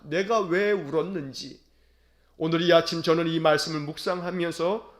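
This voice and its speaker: A man with a high-pitched voice preaches an early-morning sermon. He talks earnestly, repeating phrases and posing rhetorical questions to his listeners. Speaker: pastor.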